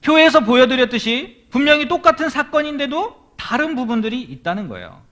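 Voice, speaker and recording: A male pastor delivers a sermon to a young adult congregation in a church. His voice sits fairly high and swoops animatedly up and down, and he keeps putting questions to his listeners. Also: sing-song, brisk, a bit bright. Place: church hall.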